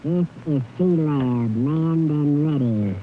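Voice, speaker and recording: A man in an undersea habitat speaking over a radio link, his helium voice garbled by an electronic unscrambler, in a slow, clipped report. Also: on the high side, phone-quality sound, slight background noise. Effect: garbled helium diver voice through an electronic unscrambler. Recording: distant archive radio link.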